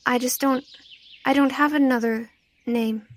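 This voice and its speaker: A woman's voice: high voice, steady tone, unhurried, voice pushed up. A woman voicing a timid, caged female talking bird in a tabletop game, speaking hesitantly and repeating words. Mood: shy, earnest.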